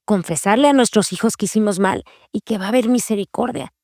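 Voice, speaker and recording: A woman's voice: mid-range voice, fast talker, a little mellow, dry recording, clean studio sound. A woman hosting a Christian devotional podcast, speaking earnestly and confessionally and repeating key phrases. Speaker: podcast host.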